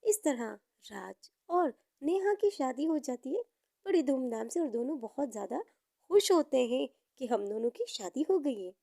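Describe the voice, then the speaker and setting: A woman's voice: sits high, big pitch swings, normal speed, creaky, dark tone, no room sound, clean studio sound. A woman narrating a moral story in an informal storytelling style.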